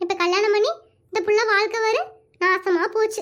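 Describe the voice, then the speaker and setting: A woman's cartoonish character voice at an extremely high pitch, delivered at a fairly slow pace with fairly even intonation. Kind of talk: rural Tamil comedy. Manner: brusque, familiar.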